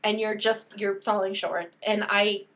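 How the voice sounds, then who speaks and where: A woman's voice: mid-range voice, steady tone, unhurried, a bit bright. A woman co-hosting a movie podcast, casual in style, emphatic and opinionated as she talks. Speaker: podcast co-host.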